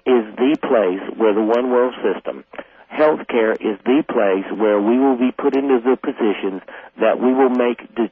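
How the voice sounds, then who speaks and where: A man in his forties from South Carolina, a radio guest talking in a calm, earnest, long-winded way. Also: lowish voice, breathy edge. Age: 40s. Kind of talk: call-in radio conversation. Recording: tinny phone line.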